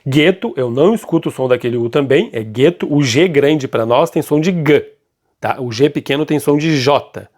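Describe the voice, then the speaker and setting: A man teaching a grammar lesson, keeps checking in with his students and slows down to stress key points. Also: mid-range voice, a little mellow. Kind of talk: classroom-style grammar lesson.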